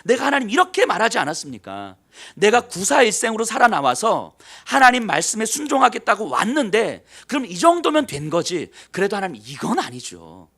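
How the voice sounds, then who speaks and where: An indignant, sulking male prophet vents his complaints in heated outbursts, as a preacher puts him on. The voice sits high and swings widely in pitch as the grievances pour out. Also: very animated, fairly quick, a bit bright, exaggerated voice.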